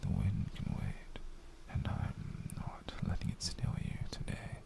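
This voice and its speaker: Male actor as British yandere lover, ASMR roleplay: slow half-whisper, coaxing, theatrical, clingy and quietly menacing. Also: lightly acted. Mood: tender, clingy. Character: possessive, doting, menacingly sweet yandere boyfriend.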